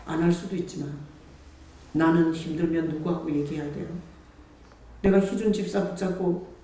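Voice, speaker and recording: A woman's voice: low-pitched, steady tone, moderate pace, warm tone. A woman pastor preaching a sermon in a conversational, emphatic way, speaking in a church sanctuary. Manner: conversational and emphatic, acting out prayers and quotes. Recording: very echoey, distant church recording.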